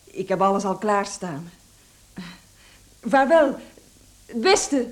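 A woman's voice: mid-range voice, sing-song, takes it slowly. A woman acting a timid, servile housemaid in a radio play, pleading and deferential. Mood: relieved, grateful.

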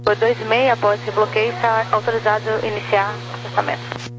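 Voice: mid-range voice, little pitch movement, a little fast. An air traffic controller giving procedural instructions over a two-way aviation radio. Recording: noisy radio with mains hum.

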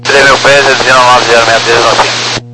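A man's voice: mid-range voice, level tone, moderate pace, over loud music. A Brazilian man speaking as a pilot, giving clipped readbacks over a crackly aviation radio. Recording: very noisy crackly cockpit radio.

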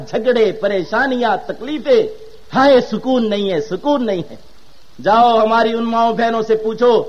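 High-pitched fiery male preacher, muffled tape. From Pakistan. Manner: impassioned, exhorting, sharply scolding. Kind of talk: fiery sermon to women.

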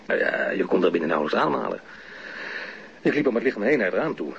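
An actor playing a plain-spoken, unsure policeman giving testimony in a radio drama, hesitant and matter-of-fact, with a husky, raspy voice. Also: fairly low pitch, sing-song, fast talker, exaggerated voice. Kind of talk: naturalistic radio drama dialogue. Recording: muffled radio drama recording.

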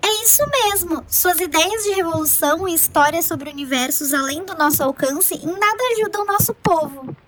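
A woman's voice: very high-pitched, normal speed, few pauses, fairly bright tone, low-quality recording. An actress playing a scornful, haughty female rebel rival with a cutting manner in an audio drama.

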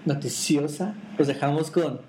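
A man's voice: a little high, moderate pace, noisy background. Hesitant man hosting a podcast. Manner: hesitant, searching for words, wraps up segments. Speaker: podcast host. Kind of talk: casual chat.

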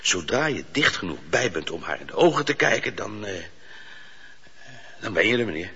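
Humble, husky, deep-voiced poacher. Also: male voice, big pitch swings, moderate pace, sharp tone, exaggerated voice. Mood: earnest, explaining. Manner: deferential, explaining patiently and insistently. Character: humble, earnest male poacher held prisoner. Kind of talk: Dutch radio drama acting. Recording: muffled, reverberant radio drama recording.

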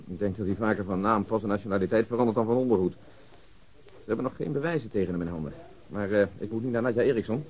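An actor playing a polite, dry, methodical police detective with a businesslike manner in a radio drama. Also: male voice, lowish voice, quick pace, darkish tone, natural voice. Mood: brisk, businesslike. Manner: businesslike, unruffled. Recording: dull lo-fi old radio recording.

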